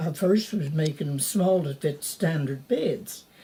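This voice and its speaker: Noticeable background noise runs under the recording. A woman with a fairly low pitch speaks at a fairly slow pace. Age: 80s+. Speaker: quilter. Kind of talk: interview answer. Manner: casual, reminiscing.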